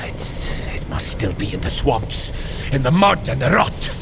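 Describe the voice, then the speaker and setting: An actor playing a proud, wrathful thunder god who declaims in grand, archaic speech in a fantasy audio drama. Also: male voice, mid-range voice, very animated, measured pace, gravelly, background noise. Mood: pained, weary. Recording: dramatic music behind.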